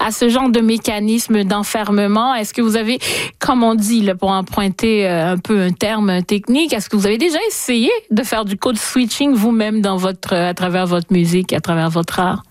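A woman's voice: medium pitch, moderate pace, no room sound. A woman interviewer asking questions attentively, with hesitant phrasing and frequent affirming murmurs.

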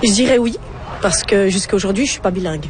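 Woman chatting in an interview, lots of euhs, mid pitch. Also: fast, crowd noise. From France. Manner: hesitant, many fillers. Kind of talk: casual interview.

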